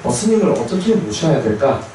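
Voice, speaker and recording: A man, a Buddhist chaplain monk, telling a story in a dharma talk with animated delivery and acted-out voices. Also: medium pitch, brisk, a little hiss or hum. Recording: echoey hall, voice from far off.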